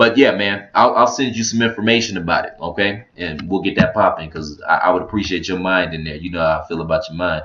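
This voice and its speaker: A man talks at a very fast pace with hardly any pauses, his pitch very deep and low with ordinary variation. His loudness swings widely, and there is noticeable background noise. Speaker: live stream talk show host. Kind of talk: live talk show monologue. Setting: home live stream. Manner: animated.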